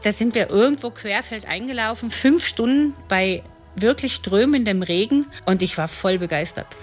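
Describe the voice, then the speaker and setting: A middle-aged woman from eastern Germany, an herbalist and park ranger, telling her stories in a lively way. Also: medium pitch, moderate pace, husky, faint music behind. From Saxony-Brandenburg border, eastern Germany.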